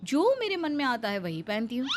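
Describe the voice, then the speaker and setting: A woman's voice: fairly high pitch, very animated, fairly quick, a little hiss or hum. A woman voicing a confident, modern young woman friend in a cartoon, breezy and lecturing.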